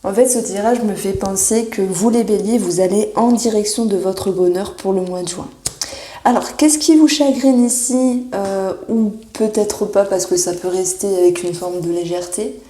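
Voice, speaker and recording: A woman giving a monthly horoscope tarot reading, reassuring and often pausing with fillers as she searches for words. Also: medium pitch, warm tone. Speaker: tarot reader. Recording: echoey room.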